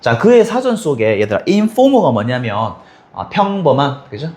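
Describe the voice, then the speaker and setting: A man teaching an English textbook passage to high school students, explaining step by step and asking students quick questions. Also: big pitch swings, darkish tone. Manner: switches between plain and exaggerated voices for example lines.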